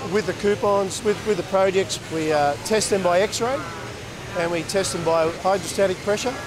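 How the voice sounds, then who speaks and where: Through noticeable background noise, a man talks with a high pitch and fairly even intonation. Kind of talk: interview answer.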